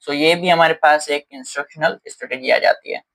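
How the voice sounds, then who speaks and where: A man's voice: fairly high pitch, steady tone, brisk, gravelly, a bit bright. Man lecturing in with frequent fillers. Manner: Hindi mixed with English terms, frequent "uh" fillers and "okay" check-ins. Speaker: teacher. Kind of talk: lecture explaining teaching strategies.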